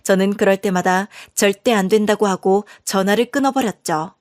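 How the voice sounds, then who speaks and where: A woman's voice: medium pitch, normal speed, no room sound, studio quality. A young adult woman narrating a family story in an earnest, emotional way. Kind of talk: scripted narration.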